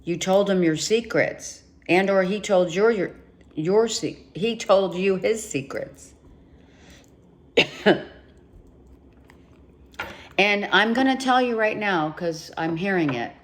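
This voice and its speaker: A woman giving a monthly tarot reading, emphatic and repeating herself, her voice going hoarse with some coughing. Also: mid-range voice, slow, long pauses. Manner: emphatic, repeats herself, talks straight to the viewer. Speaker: tarot reader.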